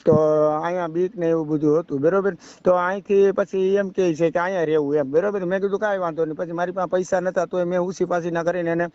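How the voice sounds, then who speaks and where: A man's voice: high voice, steady tone, quick pace, few pauses, a little mellow, no room sound. A young man with a rural Saurashtra Gujarati accent giving a rambling personal account on a phone call, often checking that the listener follows. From Gujarat, India. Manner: rambling, often adds a checking tag question. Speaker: caller seeking advice. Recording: dull lo-fi phone call recording.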